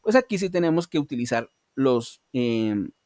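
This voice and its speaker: In an online English class, a man with a Colombian Spanish accent explains things patiently one step at a time, checking in with a frequent "¿sí?". He speaks at a moderate pace in an animated, medium-pitched, darkish voice, with no echo and studio quality.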